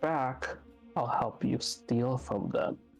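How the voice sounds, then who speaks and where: A quiet, breathy put-on character voice speaks fairly slowly at a low-to-middle pitch. Faint music plays in the background. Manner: hushed and breathy.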